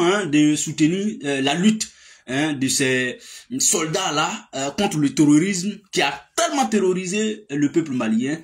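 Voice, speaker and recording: A man, giving a casual political monologue with many fillers and emphatic outbursts. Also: on the high side. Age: 30s. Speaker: political commentator.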